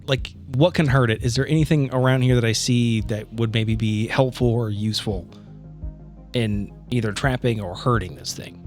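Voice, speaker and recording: Guy playing a tabletop rpg, casual rambly talk, mid-pitched voice, bit of music behind. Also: normal speed. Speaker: player in a tabletop game.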